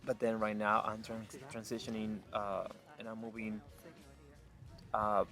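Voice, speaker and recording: A young man from Honduras, a guest answering questions outdoors in a casual chat, pausing to search for words with fillers. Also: lowish voice, monotone, music in the background. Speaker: interview guest.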